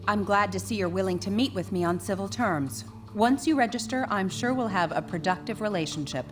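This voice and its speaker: A woman's voice: mid-range voice, brisk, close to an everyday voice. A woman voicing a stern, smug government enforcer in a video game, commanding and coolly polite. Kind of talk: video game cutscene dialogue. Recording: music behind the voice.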